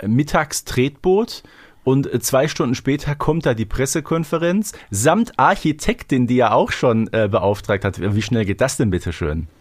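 A man talks as a podcast co-host in a casual, slightly wry way, often tagging his remarks with little questions. His voice sits at an average pitch and is recorded very dry. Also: expressive, measured pace, dry recording. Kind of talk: casual review chat about audio dramas.

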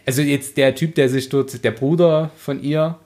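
A man's voice: medium pitch, fairly even intonation, normal speed, darkish tone. A man co-hosting a podcast, talking through a book in a conversational, explanatory way. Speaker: podcast co-host. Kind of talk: casual book discussion.

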